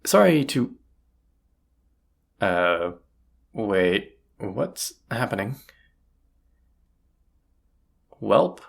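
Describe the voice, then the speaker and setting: An actor playing a gruff, teasing bandit leader in a roleplay audio drama, with a husky voice and a sardonic, folksy drawl. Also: mid-range voice, exaggerated voice. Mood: baffled, incredulous.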